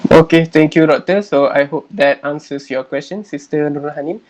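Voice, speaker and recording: A man's voice: fairly high pitch, fairly quick, darkish tone. A man moderating a webinar Q&A, polite and formal, with hesitant fillers. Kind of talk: moderating a Q&A, reading viewer questions. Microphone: video call. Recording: dull lo-fi webinar audio.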